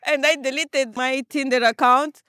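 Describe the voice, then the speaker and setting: A woman's voice: high voice, steady tone, normal speed, bright, forceful tone, dry recording, studio quality. A woman in her twenties from Mozambique, telling her love story playfully in a casual interview. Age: 20s.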